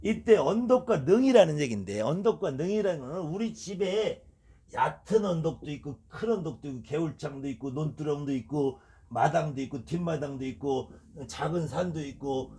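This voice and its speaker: A middle-aged man, a shaman, lecturing in a husky voice and firing off rhetorical questions. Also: on the high side, lively intonation, moderate pace, dark tone.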